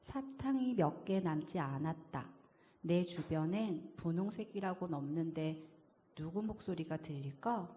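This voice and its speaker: A pastor's wife reading a children's picture book aloud in a calm, expressive way. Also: female voice, on the low side, unhurried, long reverb tail, a little hiss or hum.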